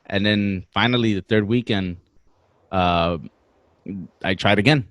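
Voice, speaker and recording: A young man in his twenties telling a long story in a slangy, animated way, swearing as he goes. His voice sits a little low, and the recording is dry and close. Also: unhurried, no room sound. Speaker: podcast guest. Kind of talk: casual storytelling.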